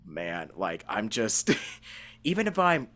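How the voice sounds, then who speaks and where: A man's voice: on the low side, very animated, slow pace, bright, forceful tone. A man hosting a casual interview, talking in an informal, slangy, rambling way. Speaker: interview host and voice actor. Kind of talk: casual chat.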